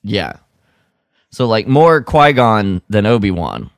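A man's voice: on the low side, sing-song, slow pace, no echo, studio quality. A man co-hosting a podcast, talking in casual fan chat. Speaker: podcast co-host.

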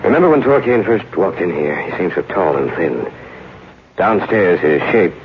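A man's voice: low-pitched, sing-song, normal speed. An actor playing an uneasy, cautious man confronting strange invaders in a 1950s radio drama, earnest and anxious in delivery. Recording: muffled old radio recording, some noise.

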